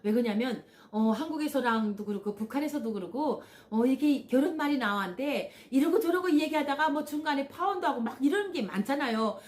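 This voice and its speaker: A woman's voice: high voice, fairly quick, hardly any pauses. Woman telling her story. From North Korea. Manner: animated, acts out quoted voices, frequent "yes" and "uh" fillers. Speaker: channel host. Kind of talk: personal storytelling.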